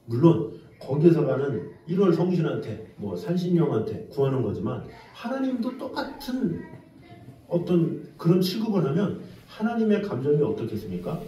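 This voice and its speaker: A man preaching a Sunday sermon as pastor, animated, acting out pleading prayers in a high voice. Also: moderate pace, dull audio. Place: church sanctuary. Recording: echoey church from a distance.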